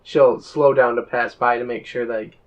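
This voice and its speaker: A man's voice: mid-range voice, little pitch movement, moderate pace. Inquisitive male player, lo-fi sound. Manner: questioning, plans aloud in character's terms. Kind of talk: playing a tabletop game.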